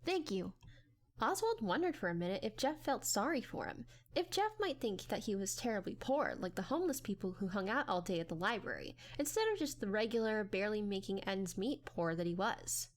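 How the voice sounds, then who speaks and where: A woman's voice: medium pitch, sing-song, brisk, few pauses. A woman narrating a story as a dramatic audiobook reading.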